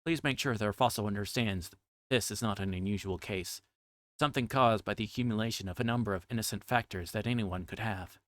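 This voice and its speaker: A man with a fairly low voice reads game text aloud on a livestream. The sound is dry, with little room in it. He tends to trip over harder words as he goes. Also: fairly quick, a bit bright, dry recording. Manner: stumbles over difficult words. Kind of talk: reading visual novel text aloud on a livestream.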